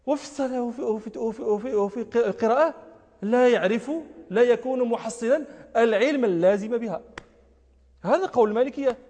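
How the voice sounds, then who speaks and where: A man's voice: extremely high pitch, fairly quick, mellow. Man, religious scholar, lecture, emphatic, rhetorical questions, long hall echo. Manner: emphatic, repeats phrases, asks rhetorical questions. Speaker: religious scholar teaching a lesson. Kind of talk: lecture on recitation and jurisprudence.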